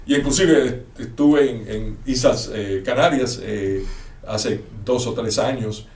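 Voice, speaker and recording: A man with a Cuban accent telling stories at an easy conversational pitch, pausing often on fillers. He sounds set back from the mic in a roomy space, with a faint hiss underneath. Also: darkish tone, distant mic. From Cuba. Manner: anecdotal, hesitant with fillers, joking. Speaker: guest, lawyer. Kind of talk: casual interview chat.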